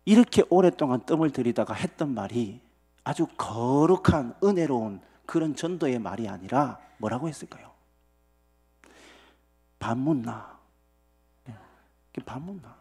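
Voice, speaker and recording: Male pastor, animated storytelling sermon; husky, expressive pitch. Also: brisk. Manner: animated storytelling with rhetorical questions to the congregation. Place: church sanctuary.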